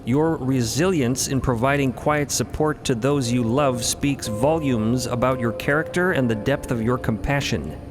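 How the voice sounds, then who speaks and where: A man playing a serene, courtly otherworldly guardian in an audio drama, speaking with formal, measured, benevolent solemnity. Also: mid-range voice, music in the background, close to an everyday voice. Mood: reverent, kind. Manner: formal, measured, ornate phrasing. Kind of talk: audio drama character acting.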